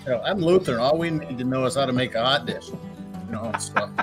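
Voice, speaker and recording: A man's voice: mid-range voice, a little fast, music in the background. A man hosting a live question-and-answer show, talking casually and telling jokes in a folksy way with plenty of fillers. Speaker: host.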